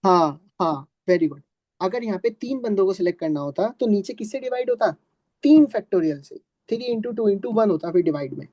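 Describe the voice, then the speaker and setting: A man's voice: sits high, expressive, moderate pace, mellow, no echo. A male teacher giving a classroom math lecture, asking and answering his own questions in a chatty, joking way, with students in the room.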